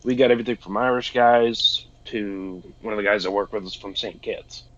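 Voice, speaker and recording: A man's voice: fairly low pitch, fairly even intonation, normal speed, a bit bright, highs cut off. A man from Boston chatting casually on a podcast, swearing freely and laughing easily. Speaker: podcast co-host. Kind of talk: casual chat.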